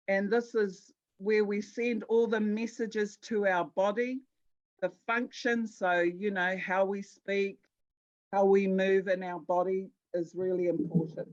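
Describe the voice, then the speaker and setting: A New Zealand woman presents an educational talk in a mid-pitched voice. She is conversational and emphatic, moving between explanation and storytelling. The recording is dull and slightly muffled. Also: steady tone, takes it slowly. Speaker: guest speaker at a Māori health conference.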